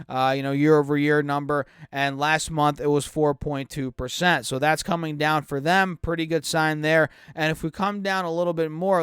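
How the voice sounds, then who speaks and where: A man's voice: a little high, a bit bright, clean tone, dry recording, clean studio sound. A man with a stuffy nose from allergies, chatting casually to viewers about the stock market, upbeat and full of fillers. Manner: upbeat, addresses viewers as guys, many fillers. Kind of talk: casual market analysis to camera.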